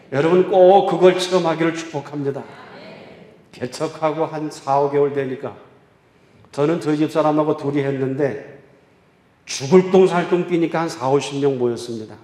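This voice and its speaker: A male pastor preaching a revival sermon and telling a story, swinging from loud exclaiming to quiet confiding. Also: on the high side. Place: church sanctuary. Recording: echoey church hall.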